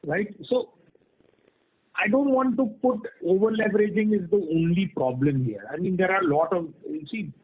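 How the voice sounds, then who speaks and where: A man's voice: sits high, moderate pace. A man speaking as a company executive, explaining frankly and off the cuff on a conference call. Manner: frank, explanatory, often checks with "right?". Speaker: company executive answering analysts' questions. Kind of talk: earnings call question-and-answer, spontaneous explanation. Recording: muffled band-limited conference call line.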